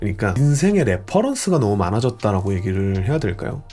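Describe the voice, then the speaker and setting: The intonation is lively, with music playing in the background. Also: man. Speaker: VTuber radio streamer. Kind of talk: casual radio-style talk.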